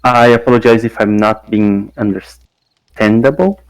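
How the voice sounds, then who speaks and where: A man's voice: fairly low pitch, steady tone, measured pace, clear, resonant tone, dry recording, low-quality recording. A middle-aged man whose first language is not English, chatting earnestly on a stream and explaining himself at length. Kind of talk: casual stream chat.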